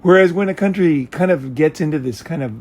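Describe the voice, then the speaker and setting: Casual American male talker, slightly high voice, loose and rambling, unfiltered and sweary. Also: brisk, darkish tone. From United States. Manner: rambling, blunt, profane. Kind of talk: casual chat.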